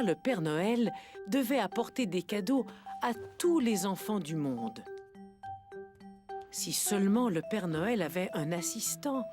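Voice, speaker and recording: A woman narrating a children's cartoon in a calm storytelling manner. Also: on the low side. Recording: music behind.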